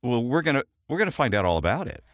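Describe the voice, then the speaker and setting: A man's voice: mid-range voice, sing-song, very fast, a bit bright, no room sound, studio quality. An American man hosting a podcast in an upbeat, conversational style. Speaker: podcast host. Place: home voiceover studio.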